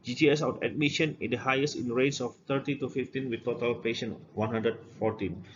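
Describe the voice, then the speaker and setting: A man with an Indonesian accent presents medical research in a halting, formal way. His voice sits at an average male pitch. The recording is dull and lo-fi, with faint noise behind him. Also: fairly even intonation. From Medan, North Sumatra, Indonesia. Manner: halting, with repeated words and non-native phrasing. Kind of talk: scripted academic conference presentation. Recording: dull lo-fi audio with background noise.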